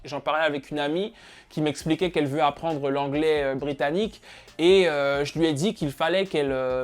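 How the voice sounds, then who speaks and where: A young man from France giving casual advice straight to his viewers, chatty and full of fillers. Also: on the high side. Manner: chatty, addresses viewers directly with many fillers. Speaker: motivational YouTuber.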